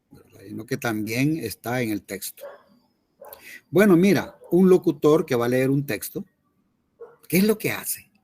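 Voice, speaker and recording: Patient teacher, lively pitch. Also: male voice. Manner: explains patiently, checks in with "¿verdad?" often. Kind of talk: online class lecture.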